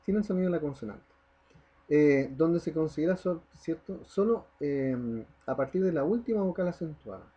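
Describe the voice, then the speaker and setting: A man's voice: fairly high pitch, lively intonation, normal speed, mellow, husky, lo-fi sound. A man teaching a primary school class, explaining step by step, stressing the example words and often checking in with the children. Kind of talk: recorded online class lesson.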